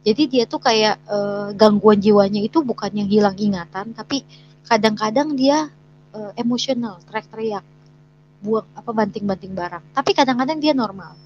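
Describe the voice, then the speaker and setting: A woman tells her conversion testimony at an even, medium pitch, stopping often to search for words. The recording is dull and lo-fi, with a faint hum underneath. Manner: hesitant, many "eh" fillers and restarts; acts out quoted dialogue in her story. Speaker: guest sharing a conversion testimony. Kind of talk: personal testimony, told as a story.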